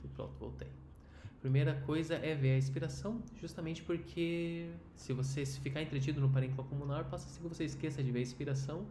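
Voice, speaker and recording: A man speaks at a fairly quick pace with ordinary pitch variation. Room echo is audible. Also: medium pitch for a man. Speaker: radiologist and teacher. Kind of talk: lecture. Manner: fast.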